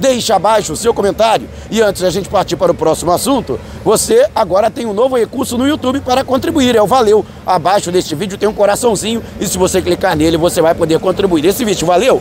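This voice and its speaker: Talking at a very fast pace, a man with a high voice sounds animated, his intonation lively over noticeable background noise. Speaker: football news YouTuber. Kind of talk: sports news vlog.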